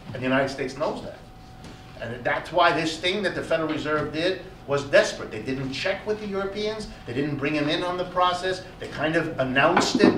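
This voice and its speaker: A man giving an emphatic, animated economics lecture to a room, often repeating words for stress. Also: fairly high pitch, a little hiss or hum. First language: German. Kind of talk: public lecture. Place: lecture hall. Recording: echoey hall, recorded from far off.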